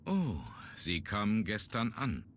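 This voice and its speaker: An actor playing a businesslike police inspector in a video game, inquisitive and matter-of-fact. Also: male voice, fairly low pitch, sing-song, takes it slowly, a bit bright, slight background noise, exaggerated voice. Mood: probing. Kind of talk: German video game voice acting.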